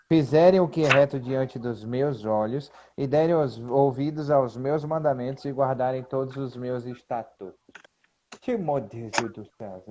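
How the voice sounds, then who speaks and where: A man in casual talk about the Bible, animatedly reading scripture aloud slowly and with emphasis. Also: medium pitch, mellow. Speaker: co-host. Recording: dull lo-fi sound.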